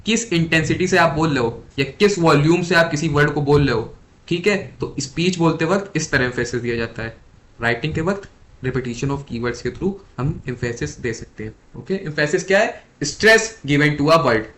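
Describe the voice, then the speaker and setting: A young male tutor talks through exam material on a close mic. His voice sits a little high. He repeats each definition slowly and keeps checking with questions. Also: expressive, fairly bright tone. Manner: repeats key definitions slowly, quizzing listeners. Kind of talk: Hindi-English exam lecture.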